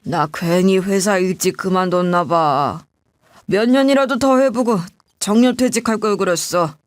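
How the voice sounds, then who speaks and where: A woman's voice: mid-range voice, measured pace, dry recording, studio quality, voice pushed down, lightly acted. A woman voicing a drunk, self-pitying middle-aged husband who complains in a whiny, slurred way. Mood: whining.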